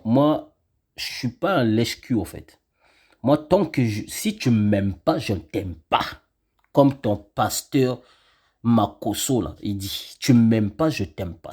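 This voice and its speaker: Low, husky-voiced man from Congo; indignant online commentator, scolding tone. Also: darkish tone. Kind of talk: angry monologue reacting to a video.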